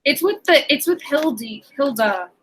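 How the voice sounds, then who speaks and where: A woman's voice: high-pitched, lively intonation, measured pace, slight background noise. A young woman in a casual book chat, often quoting and acting out lines as she talks. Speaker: book discussion co-host.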